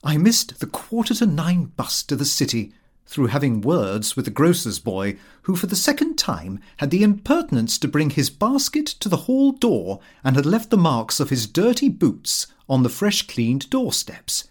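Male British audiobook narrator for a comic diary: formal, prim diction, highly varied melody. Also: huge pitch swings, normal speed. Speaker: audiobook reader. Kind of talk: scripted narration of a comic fictional diary, read in character as the diarist.

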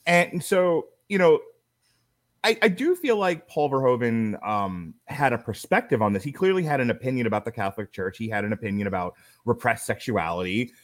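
Animated male podcast movie reviewer. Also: medium pitch, a little fast. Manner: animated, emphatic, acts out quoted voices. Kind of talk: casual movie review chat.

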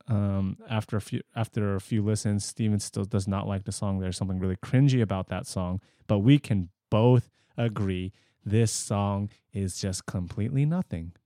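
A man's voice: on the low side, moderate pace, dark tone, no room sound, studio quality. Teasing man co-hosting a podcast. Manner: teasing, blunt one-word verdicts. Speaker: podcast co-host. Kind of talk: casual chat. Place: Seoul, South Korea.

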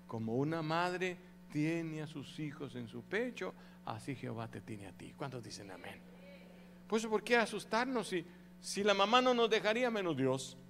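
A pastor preaching a sermon to his congregation, animated and calling out to the audience for responses. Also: a little high, moderate pace, creaky, long reverb tail, a little hiss or hum. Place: church.

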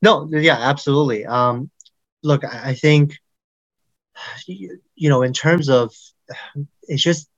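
A man's voice: on the high side, takes it slowly, pauses often, no echo, highs cut off. A man speaking as the expert guest in an interview, earnest and a little hesitant, repeating words as he thinks. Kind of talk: casual interview chat.

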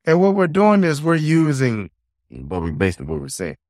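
Lively man hyping a podcast. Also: on the high side, brisk, no room sound, clean studio sound. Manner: affirming, preachy hype-man interjections. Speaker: podcast co-host. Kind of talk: casual podcast chat.

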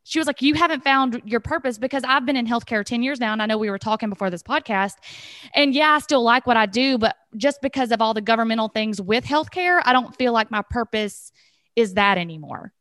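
A woman's voice: on the high side, fairly quick, fairly bright tone, no room sound, clean studio sound. A woman in her thirties hosting a podcast, talking candidly and chattily, laughing easily. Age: 30s. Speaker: podcast host. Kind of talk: casual podcast conversation.

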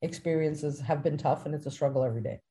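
A woman's voice: low-pitched, quick pace, mellow. A woman co-hosting a casual podcast chat, telling a personal story in a candid, reflective way. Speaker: podcast co-host.

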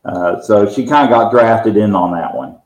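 A man's voice: on the low side, expressive, moderate pace, darkish tone. Man in an echoey room. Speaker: paranormal team leader. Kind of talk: casual podcast conversation.

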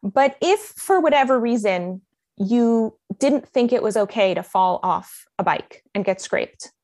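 A woman's voice: on the high side, animated, unhurried, a little mellow, no echo. A woman from Colombia who grew up in Miami, speaking with an American accent as a life coach guest, telling her story earnestly with many fillers. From Colombia, raised in Miami. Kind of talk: conversational interview.

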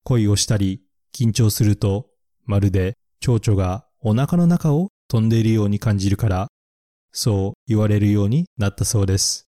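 A man hosting a picture-book English podcast, reviewing vocabulary slowly and carefully and repeating English words and phrases for learners. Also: on the low side, warm tone, dry recording, clean studio sound.

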